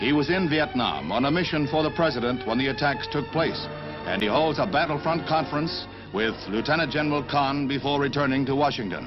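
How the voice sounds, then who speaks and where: This man's voice sits fairly high for a man, with ordinary pitch variation. He talks at a fairly quick pace over music in the background. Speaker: newsreel narrator. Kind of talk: 1960s newsreel narration. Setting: vintage film recording. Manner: brisk, authoritative.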